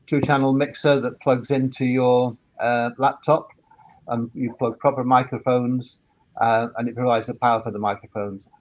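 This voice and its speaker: A man giving informal technical advice on a webinar panel, halting and often repeating words mid-sentence. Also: mid-range voice, dull audio. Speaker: sound engineer and workspace operator on a panel.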